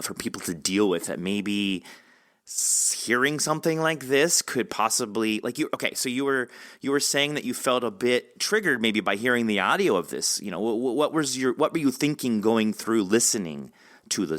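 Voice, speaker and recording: A man hosting a casual interview, affirming effusively and haltingly searching for his words as he puts questions. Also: fairly low pitch, fairly bright tone. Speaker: podcast host, interviewer.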